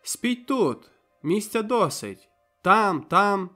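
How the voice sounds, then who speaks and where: A male audiobook narrator voicing a loud, teasing, middle-aged village woman who shouts jokes and brusque orders. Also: sits high, very animated, extremely slow, faint music behind, pitched above the performer's own voice, full character voice. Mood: teasing, boisterous.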